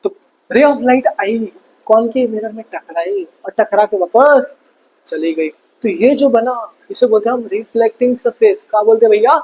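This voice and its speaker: A man's voice: sits high, moderate pace, a little mellow, breathy edge, low-quality recording. Joking Indian teacher quizzing his students. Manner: joking, calls himself bhaiya, keeps asking students questions. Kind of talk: exam revision lesson.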